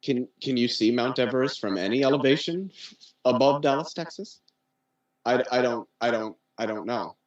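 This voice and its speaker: A man's voice: medium pitch, moderate pace. A man in a debate who speaks in a careful, hesitant way and often repeats words as he thinks. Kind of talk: debate commentary. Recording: dull lo-fi audio.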